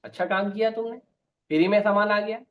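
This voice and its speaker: A man's voice: sits high, steady tone, a little fast, close to an everyday voice. A man voicing a doting mother who cheerfully praises her son. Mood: pleased. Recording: dull lo-fi recording.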